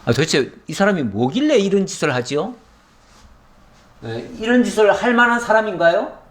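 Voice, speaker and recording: Male pastor, expository sermon; high, expressive delivery that acts out the dialogue. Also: moderate pace. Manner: animated storytelling, acts out dialogue with rising pitch; drops voice low and soft at sentence ends.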